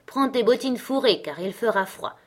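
A woman's voice: on the high side, expressive, normal speed, pitched above the performer's own voice. A woman voicing a fierce, wild little robber girl who talks in a bossy, teasing way.

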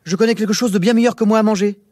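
A man voicing a frightened king who pleads in a high, hurried voice in a storybook reading. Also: fairly even intonation, darkish tone, no echo, studio quality. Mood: pleading.

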